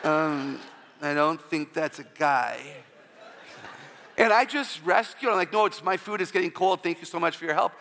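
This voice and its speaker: A woman with a low voice, often taken for a man's, giving an inspirational church talk full of humorous personal stories and call-outs to the audience. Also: moderate pace, fairly bright tone, big-room sound, a little hiss or hum. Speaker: Christian speaker.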